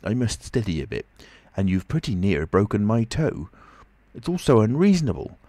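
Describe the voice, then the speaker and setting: A man voicing a rough, excitable old tramp in an audiobook, talking in a flustered, rustic way. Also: mid-range voice, a little fast, no room sound, pitched above the performer's own voice, natural voice. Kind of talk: audiobook character voice.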